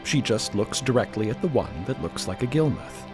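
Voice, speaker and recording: A man's voice: medium pitch, animated, a little fast. Dramatic male narrator, music underneath. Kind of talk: scripted audio drama narration.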